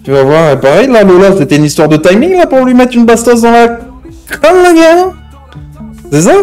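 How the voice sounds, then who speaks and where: Hot-headed game-roleplay gangster played by a man, high-pitched, slangy, bossy and threatening, repeating his verbal tics. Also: animated, moderate pace, darkish tone, faint music behind. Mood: angry, menacing. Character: hot-headed male gang member threatening hostages. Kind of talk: improvised roleplay in an online crime game.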